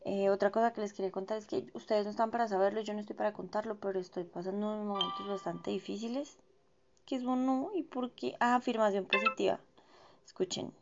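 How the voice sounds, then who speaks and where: Young Colombian woman with a Bogotá accent, casual slangy vlogger, dry throat, medium pitch. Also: quick pace, vocal fry, dull audio, noisy background. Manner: gossipy and animated, heavy slang fillers, self-mocking. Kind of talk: casual chatty monologue.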